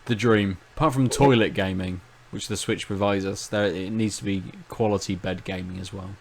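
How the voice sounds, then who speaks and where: A man's voice: low voice, steady tone, normal speed, slight background noise. A man hosting a casual gaming podcast, making dry, laid-back quips and steering the chat. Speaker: podcast host.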